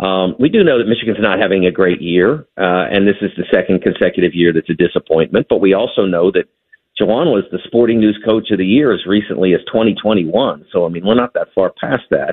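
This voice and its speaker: A man at a fairly quick pace, fairly low in pitch, in a normal speaking voice. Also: ordinary pitch variation. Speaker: college basketball analyst and sportswriter. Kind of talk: phone interview, sports analysis.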